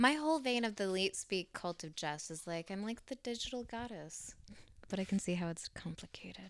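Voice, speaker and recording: A woman with a plain, everyday voice and an American accent speaks at a fairly quick pace, medium in pitch with lively intonation, on a very clean recording with a silent background. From US Southwest, Arizona. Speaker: adult performer. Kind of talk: casual chat.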